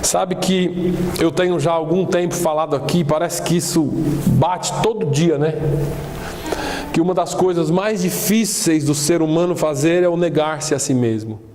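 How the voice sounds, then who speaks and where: A male pastor preaching a sermon earnestly, quoting scripture slowly and swelling louder for emphasis. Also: a little high, slight background noise. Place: church. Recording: echoey church hall.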